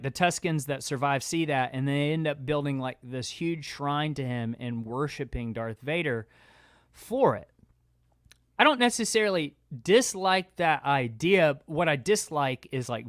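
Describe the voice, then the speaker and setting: A man's voice: medium pitch, clear, resonant tone, no echo, studio quality. A man co-hosting a podcast in casual discussion, talking conversationally and often dropping "like" into his sentences. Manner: conversational, peppers speech with "like". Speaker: podcast co-host.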